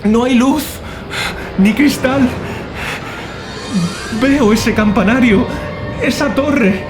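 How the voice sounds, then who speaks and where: A man voicing a terrified writer descending into madness in a horror audiobook, anguished, halting and fevered in his declamation. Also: extremely high pitch, heavily acted, poor audio. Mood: panicked, deranged. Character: terrified male writer descending into madness, writing final frantic notes. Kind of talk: dramatized horror audiobook monologue. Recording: loud music under the voice. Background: loud music.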